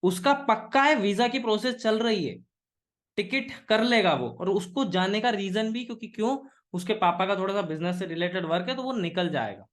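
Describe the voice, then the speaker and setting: A man from India teaching English in a live online class, mixing Hindi and English, often asking students questions and slowing down on example sentences. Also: sits high, lively intonation, fairly bright tone. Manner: Hinglish, engaging students with questions; slow, pausing model sentences.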